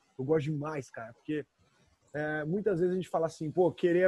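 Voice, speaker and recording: A man's dark, mellow tone at a fairly high pitch, very fast pace and fairly even intonation, in a dry, close sound with no echo. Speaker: podcast host, sales supervisor. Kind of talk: casual interview chat.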